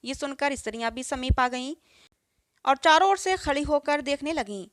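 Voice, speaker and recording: A woman narrating a moral story, reading every character in the same even storytelling voice. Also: sits high, normal speed, dry recording, clean studio sound. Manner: reads every role in one even storytelling voice.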